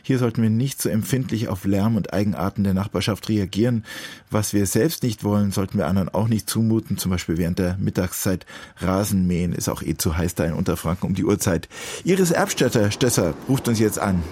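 A man hosting a radio call-in show, calm and conversational as he reads messages and talks to callers. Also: fairly low pitch, a little fast, husky, no echo. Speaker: radio host.

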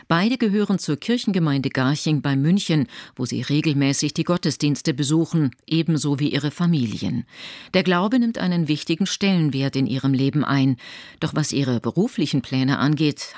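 A woman's voice: sits low, no room sound. Woman reading a radio feature, dry. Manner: even, clear storytelling read. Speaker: reporter narrating a radio feature. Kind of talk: scripted narration.

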